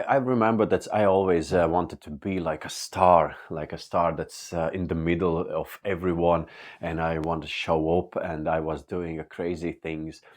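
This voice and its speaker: A man from Latvia sharing a personal faith testimony in earnest, halting English with many pauses. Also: low-pitched, a little mellow. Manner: earnest and open. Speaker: church member giving testimony.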